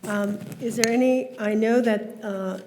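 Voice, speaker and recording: A woman's voice: fairly high pitch, fairly even intonation, measured pace, noisy background. A woman chairing a school board meeting, moving business along with brief, informal prompts.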